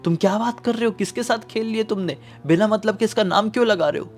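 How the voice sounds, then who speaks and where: A man's voice: high-pitched, quick pace, faint music behind, voice pushed up. A man voicing a stern female school teacher who scolds a student. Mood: scolding. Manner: scolding, dismissive.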